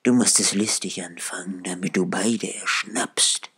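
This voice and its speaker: A man voicing a sly, greedy wolf in a fairy tale, coaxing and scheming in a hushed way. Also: low voice, steady tone, unhurried, husky, heavily acted.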